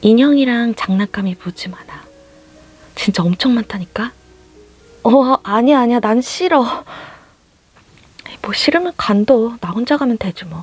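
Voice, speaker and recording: Over music in the background, a woman talks with lively intonation, long, frequent pauses and big swings in loudness, the sound dry and close with no echo. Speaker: audiobook narrator. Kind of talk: horror story reading.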